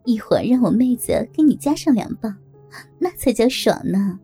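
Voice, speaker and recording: A woman's voice: fairly high pitch, lively intonation, moderate pace, warm tone, faint music behind. A woman voicing a brazen, bossy older woman who teases, giggles and coaxes. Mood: flirty teasing. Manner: teasing, giggling, coaxing. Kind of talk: audio story reading.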